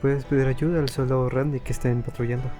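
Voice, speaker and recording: A man's voice: mid-range voice, level tone, rapid-fire, dark tone, faint music behind. A man giving laid-back, slangy commentary while playing a game. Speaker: gamer doing a let's play. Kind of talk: casual gameplay commentary.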